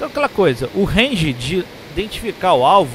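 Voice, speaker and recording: A man talks over noticeable background noise. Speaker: gaming youtuber. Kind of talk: gameplay tutorial. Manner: casual, talkative.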